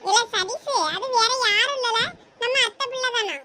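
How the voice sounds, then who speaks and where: A voice actor playing a bossy, teasing older sister in a cartoon, scolding and chatty, with a squeaky sped-up voice. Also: normal speed, pushed and bright, a little hiss or hum. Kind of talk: cartoon voice acting.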